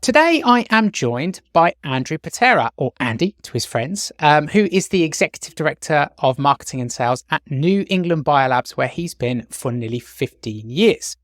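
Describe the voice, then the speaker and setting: A man's voice: on the high side, very animated, normal speed, hardly any pauses, fairly bright tone, dry recording, clean studio sound. A man hosting a podcast, introducing and chatting with a guest in a friendly conversational style. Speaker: podcast host, marketing company chief executive.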